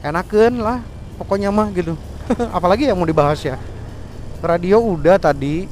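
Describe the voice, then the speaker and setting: A motorcycle vlogger reviews gear while riding his motorbike outdoors in traffic, talking about himself in the third person. His voice sits high and a little mellow at a moderate pace, picked up by a helmet intercom mic with faint road and traffic noise behind.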